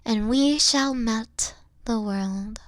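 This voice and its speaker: A woman playing a haughty but secretly soft, dorky evil queen in a roleplay audio, pompous, theatrical and easily flustered. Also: fairly high pitch, drawn-out words, no room sound, clean studio sound. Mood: soft, cuddly. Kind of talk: playful roleplay audio acting.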